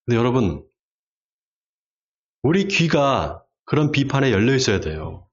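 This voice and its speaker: Male pastor, lively preaching voice, bursts into acted shouts, dull lo-fi church recording. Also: mid-range voice, measured pace. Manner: acts out shouted quotes in sudden bursts. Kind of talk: sermon. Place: church sanctuary.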